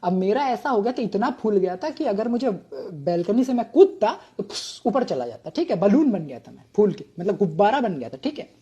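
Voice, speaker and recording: A man's voice: high voice, big pitch swings, a little fast, hardly any pauses, mellow, slightly rough, lo-fi sound. A man in his thirties, a retired army officer from Bengal, telling his own story in a chatty, humorous, self-mocking way. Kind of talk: casual storytelling monologue.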